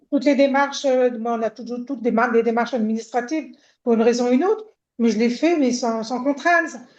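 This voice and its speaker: A woman talks at a very fast pace. Her pitch is high and her intonation fairly even. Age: 60s. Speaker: customer giving testimonial. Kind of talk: testimony. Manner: hesitant, repetitive.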